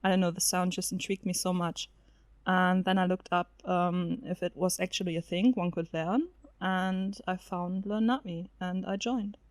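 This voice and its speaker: A woman whose first language is German, chatting as a podcast guest, laughing often and pausing with lots of fillers. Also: lowish voice, fairly even intonation, no echo. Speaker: featured guest. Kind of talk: casual podcast interview.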